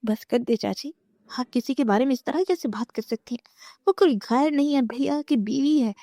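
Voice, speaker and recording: A woman's voice: high-pitched, mellow, dry recording, clean studio sound, pitched above the performer's own voice. A woman voicing an indignant young woman crying out in a storybook reading. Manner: raised, indignant.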